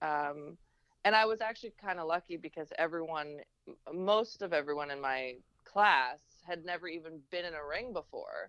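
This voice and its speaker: A woman with a Western Canadian accent, fairly low in pitch, with big swings in loudness against a quiet background. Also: ordinary pitch variation, moderate pace. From Canada, British Columbia (Nanaimo). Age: 30s. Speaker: professional wrestler. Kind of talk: casual interview chat.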